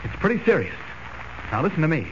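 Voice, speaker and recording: An actor playing an earnest young newspaper reporter who talks urgently and stammers when cornered, in 1940s radio acting. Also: male voice, on the high side, sing-song, fast. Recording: dull, hissy old radio recording.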